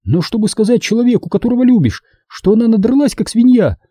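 A man's voice: very high-pitched, expressive, fast, warm tone, breathy edge, no echo, studio quality, voice pushed up, full character voice. A man reading an audiobook, voicing a tipsy young woman who rambles indignantly through her points. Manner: drunken rambling, counting points.

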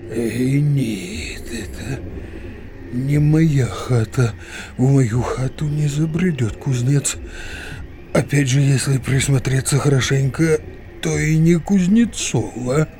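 A man's voice: mid-range voice, takes it slowly, background noise, lightly acted. An actor playing a grumbling, muddled older village man in an audio drama, hesitant and blustering, muttering to himself with many interjections. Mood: puzzled muttering. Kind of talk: theatrical audio drama acting.

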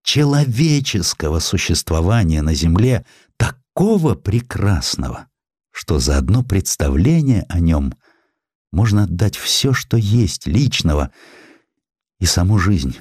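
A man reads as a dying young student, earnest and resolute. The voice is low and solemn, with measured declamation in a dry audiobook recording. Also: sing-song, darkish tone, breathy edge, no echo, full character voice.

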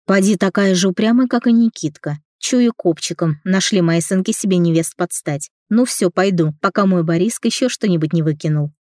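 A woman voicing a loud, bossy, fast-talking middle-aged mother in a storybook reading. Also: on the low side, no room sound, clean studio sound, lightly acted. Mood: chattering. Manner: shouting, rapid chatter.

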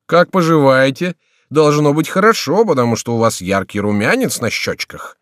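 A man voicing a vain, condescending young male courtier who speaks slowly and affectedly. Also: mid-range voice, lively intonation, fairly bright tone, dry recording, clean studio sound, voice pushed up, close to an everyday voice. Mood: patronizing. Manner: slow, affected and patronizing.

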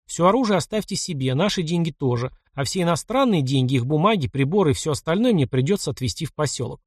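A man's voice: fairly high pitch, big pitch swings, quick pace, no room sound, clean studio sound, voice pushed up. A man voicing a sly, ruthless young frontier fighter who talks in mocking, clipped commands. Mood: brisk, cheerful.

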